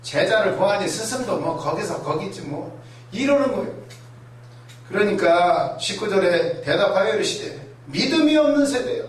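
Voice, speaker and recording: High-voiced guy preaching, super echoey church hall, mic far away. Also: moderate pace. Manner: animated, acts out voices and asides. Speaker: pastor. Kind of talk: sermon.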